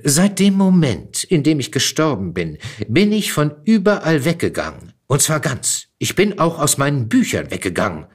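A man acts out a proud old poet from beyond the grave in a storybook reading. He lectures emphatically and declaims, his pitch raised and swinging widely with each insistent point. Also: huge pitch swings, moderate pace, hardly any pauses, husky, exaggerated voice. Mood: insistent, impatient. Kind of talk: dramatic literary reading.

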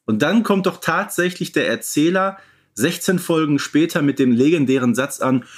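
A man's voice: on the high side, lively intonation, normal speed. A man co-hosting a casual fan podcast, playful and fond of quoting. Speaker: podcast co-host.

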